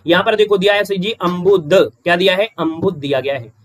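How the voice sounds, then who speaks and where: A man teaching Hindi grammar in a live-streamed quiz class. He is brisk, keeps checking in with "right?" and greets viewers from the chat mid-lesson. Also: sits high, steady tone.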